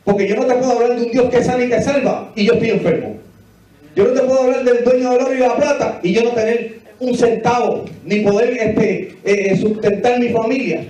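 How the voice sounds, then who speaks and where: A man in his forties preaches a Bible lesson in a high voice, driving home his points by repeating them and putting questions to the congregation. He sounds distant from the microphone, and his voice rings through a very echoey church hall. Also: mellow. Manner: emphatic, repetitive, asks the congregation questions. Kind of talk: Bible teaching sermon. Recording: echoey hall, voice picked up from afar.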